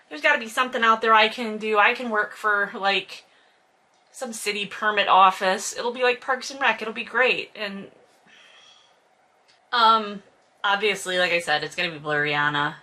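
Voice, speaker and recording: This host reads and critiques a novel in a medium-pitched voice at normal speed, bright and forceful. Her take is casual and funny, exasperated and sarcastic, sprinkled with swearing and exaggeration.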